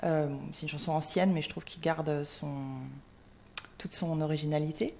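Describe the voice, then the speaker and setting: Low-voiced woman singer from Paris. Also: steady tone, moderate pace, a little hiss or hum. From Paris, France. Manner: hesitant, many fillers, soft-spoken. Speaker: singer-songwriter guest. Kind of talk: radio interview. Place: radio studio.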